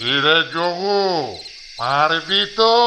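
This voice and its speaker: A cartoonish character voice at a middle pitch comes through over clear background noise. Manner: gentle, repetitive phrasing.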